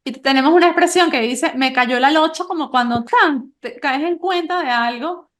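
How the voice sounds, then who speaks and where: Woman, high voice, podcast host, animated storyteller. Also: normal speed. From Venezuela. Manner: warm, animated storytelling with laughs. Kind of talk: conversational podcast interview.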